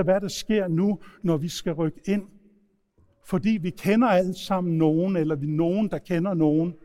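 A man preaching a sermon, retelling stories in a lively storytelling manner. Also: fairly high pitch. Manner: storytelling, animated retelling with shouted quotes. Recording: long hall reverb.

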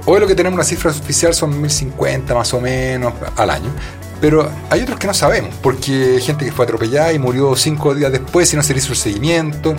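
A man with a Chilean accent speaks as a guest in a casual conversation, hesitating often with fillers and restarts. His voice sits in the mid range and moves at a quick pace, with music playing in the background.

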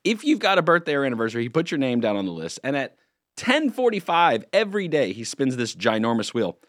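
A man hosting a morning radio show, chatting in a jokey, rambling, animated way in a studio. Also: mid-range voice, quick pace, no echo. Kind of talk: casual morning radio banter. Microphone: studio microphone.

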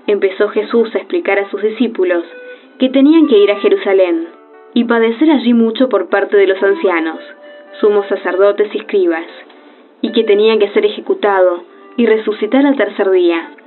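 A woman playing a rural radio announcer, reading notices and scripture in a formal, measured way. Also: medium pitch, natural voice. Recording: tinny radio broadcast, music behind.

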